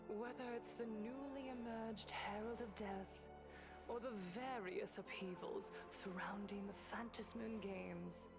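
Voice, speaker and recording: A woman voicing a serene, fervent leader of a happiness cult in a video game, preaching in a measured, theatrical way. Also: medium pitch, steady tone, over music, close to an everyday voice. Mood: polite, composed. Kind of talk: video game dramatic speech.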